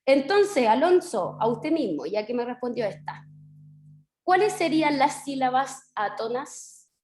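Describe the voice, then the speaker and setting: Encouraging Chilean teacher on a video call. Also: female voice, sits high, very animated, darkish tone, echoey room. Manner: patient, encouraging, drawn-out stressed syllables. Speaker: primary school teacher. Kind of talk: online class teaching.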